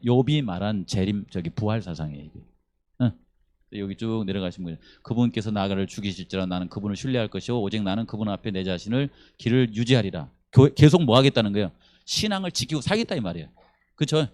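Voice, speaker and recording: Male pastor, mid-pitched voice, casual church Bible class with lively acted-out quotes. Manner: conversational, chuckling, acts out quoted lines. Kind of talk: Bible study lesson.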